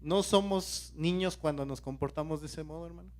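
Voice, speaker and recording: Preaching as a layman, this man keeps calling out to his listeners, posing questions and pressing them to remain alert. His voice runs high, a bit quick, and a little mellow.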